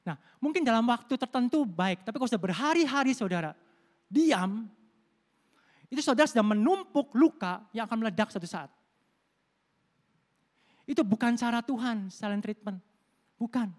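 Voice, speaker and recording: A man's voice: very high voice, animated, normal speed, long pauses. A middle-aged male pastor giving a Sunday sermon in a conversational, storytelling way, calling listeners "brothers and sisters" and dropping in English words. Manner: conversational preaching, addresses listeners as "saudara", tells personal stories. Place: church service.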